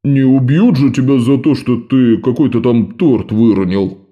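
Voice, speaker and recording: A man's voice: mid-range voice, moderate pace, highs cut off, lightly acted. A man voicing a fussy, indignant portly middle-aged clerk in an audiobook. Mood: grumbling. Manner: blustering, huffy.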